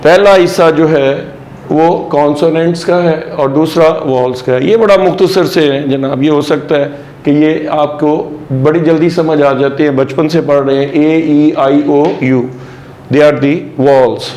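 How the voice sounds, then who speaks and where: Slow-talking male grammar teacher. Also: on the high side, steady tone, darkish tone, roomy sound, slight background noise, rough recording. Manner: asks questions and answers them himself; mixes English terms into Urdu-flavored Hindi. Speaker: English teacher. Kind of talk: classroom grammar lecture.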